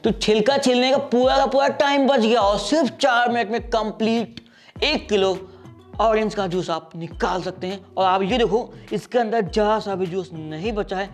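A young man with a fairly high voice gives a chatty, lively product review vlog. He talks casually and demonstrates as he goes, with faint music playing behind him. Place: small indoor studio set with striped backdrop.

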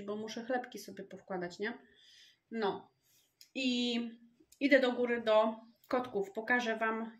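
A woman vlogger chatting casually to her viewers, thinking aloud as she unpacks groceries in a home kitchen. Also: medium pitch.

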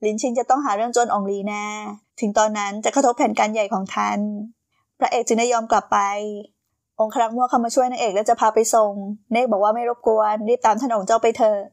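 A woman narrating a recap of a period drama in a brisk, even storytelling voice, reading the characters' lines in her own voice. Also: fairly high pitch. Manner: brisk, even storytelling with quoted dialogue read in the same voice.

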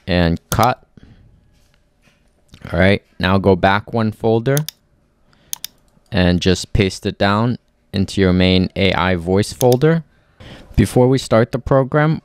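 A man narrating a step-by-step software tutorial as presenter, instructing clearly and methodically into a close mic. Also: lowish voice.

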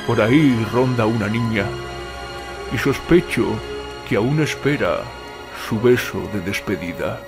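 A man playing an ominous local who warns travelers away, measured and foreboding, in an audio horror drama. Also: medium pitch, expressive, lightly acted. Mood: ominous warning. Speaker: narrator character in an audio drama. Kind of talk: dramatic first-person storytelling. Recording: voice under loud music.

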